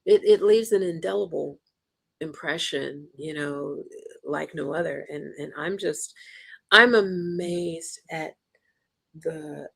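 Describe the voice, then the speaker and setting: A woman hosting a relaxed chat with a musician, her voice low and gravelly. She reacts with plenty of warm exclamations and draws out her questions. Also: slow. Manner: enthusiastic, exclaims and laughs often. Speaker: podcast host. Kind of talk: casual interview chat.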